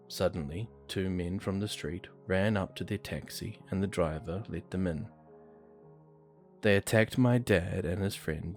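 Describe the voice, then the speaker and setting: A man with a very low voice reads true creepy stories aloud. His delivery is steady and measured. Faint music plays beneath him. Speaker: narrator. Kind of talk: reading horror stories aloud.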